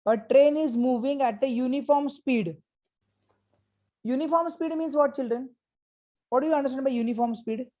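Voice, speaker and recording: A woman's voice: sits high, normal speed, long pauses, dark tone, muffled recording. A woman with a South Asian accent teaching a school maths lesson, sternly prodding pupils and checking for answers.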